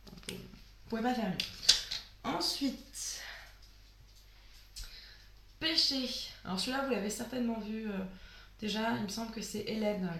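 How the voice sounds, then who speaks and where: A sick woman with a hoarse voice, chatting casually through a haul of nail polishes and trailing off with fillers. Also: medium pitch, echoey room, background noise. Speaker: beauty vlogger.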